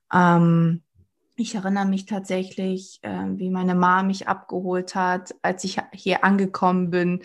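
A woman in her thirties, from Portugal, with a slight Swabian accent, talking about her life as a guest in a casual interview, reflective and pausing with fillers. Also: on the low side, a little mellow. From Portugal, raised near Stuttgart. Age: 30s. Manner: reflective, with many fillers and restarts. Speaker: guest, coach for women.

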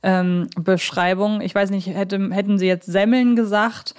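A woman from the north of Germany co-hosts a podcast. Her voice has an average pitch for a woman. She speaks in a casual, conversational discussion style. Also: steady tone, moderate pace, a little mellow, clear, resonant tone. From Hamburg, Germany. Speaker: podcast co-host.

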